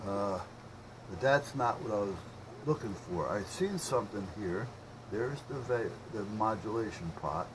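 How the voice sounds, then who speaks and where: A man chatting casually and rambling as he thinks out loud while doing hobby radio repair. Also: on the low side, animated, measured pace. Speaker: hobbyist radio repairer showing his work. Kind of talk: casual unscripted vlog chat while working. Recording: clearly noisy hobby video recording.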